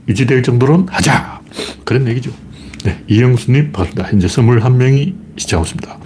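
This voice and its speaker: Over a noisy background, a man speaking in a Gyeongsang dialect hosts a casual livestream in a medium-pitched voice. He greets viewers, then rambles through opinionated, mocking commentary.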